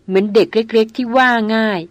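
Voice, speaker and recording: A woman's voice: a little high, fairly even intonation, fairly quick, no echo, lightly acted. A woman voicing a proud, headstrong young noblewoman who speaks firmly and insistently in an audiobook. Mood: cool. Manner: firm, insistent.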